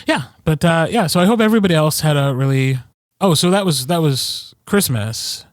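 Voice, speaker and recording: A man's voice: a little high, lively intonation, normal speed, no room sound. Wry man chatting, dry close sound. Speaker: podcast co-host. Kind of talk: casual chat. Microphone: close podcast microphone, dry sound.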